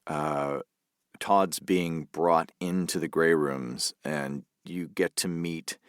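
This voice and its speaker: A very deep male voice, recorded dry with hardly any room around it. He speaks as an actor being interviewed, reflective and halting as he works out his thoughts. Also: steady tone, dry recording.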